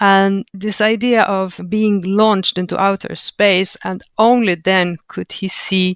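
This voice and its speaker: A woman with a Maltese accent speaks very slowly at a medium pitch with fairly even intonation. The very clean recording has a silent background and a dry, close sound with no echo. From Malta. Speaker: author and translator. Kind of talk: interview. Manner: halting.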